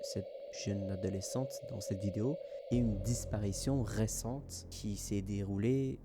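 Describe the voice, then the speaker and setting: Male YouTube host, low register, scripted mystery narration over a clear music bed. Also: fairly even intonation, measured pace. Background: music under the voice.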